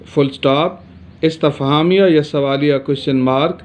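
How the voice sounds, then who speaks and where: A man's voice: on the high side, steady tone, moderate pace. A man from Pakistan teaching a grammar lesson, reading steadily with frequent hesitation sounds. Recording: dull lo-fi recording.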